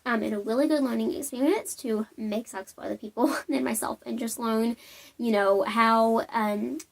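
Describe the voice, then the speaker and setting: A woman's voice: fairly high pitch, fairly even intonation, normal speed, creaky. A young woman hosting a knitting podcast, chatting casually and bubbly to camera from home, with lots of "um"s and tangents.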